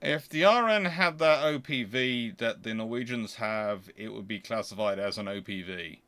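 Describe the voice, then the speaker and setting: A man's voice: on the low side, normal speed, sharp tone, clean tone. Man giving emphatic off-the-cuff commentary. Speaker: host answering viewer questions. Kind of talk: casual livestream question-and-answer commentary.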